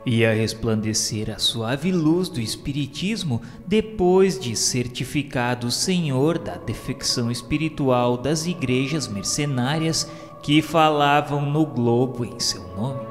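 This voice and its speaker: A man's voice: medium pitch, takes it slowly, hardly any pauses. A Brazilian man reading scripted narration for a religious radio serial in a solemn, formal, literary manner. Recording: long hall reverb. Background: music.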